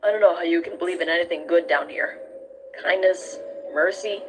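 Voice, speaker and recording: A woman's voice: on the low side, fairly quick, faint music behind, close to an everyday voice. A woman voicing a gloomy, cynical skeleton brother in a cartoon comic dub, with a resigned, skeptical delivery. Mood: weary, doubting.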